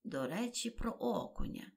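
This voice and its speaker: A melancholy sea turtle creature who drags out its words in a slow singsong, fussy and lamenting, as a woman reads it aloud. The delivery rises and swells loudly on the chanted verses. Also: mid-range voice, big pitch swings, creaky, slightly rough, heavily acted.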